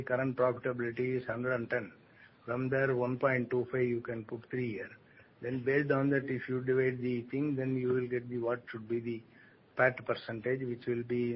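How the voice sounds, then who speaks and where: A man answering analysts as a company executive on an earnings call, speaking haltingly and often rephrasing. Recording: muffled conference call line, noisy rumble.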